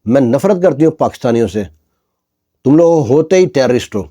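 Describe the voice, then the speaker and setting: A man's voice: mid-range voice, expressive, warm tone, lightly acted. A man voicing a haughty, bitter woman, a head nurse who scolds with scorn. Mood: scornful.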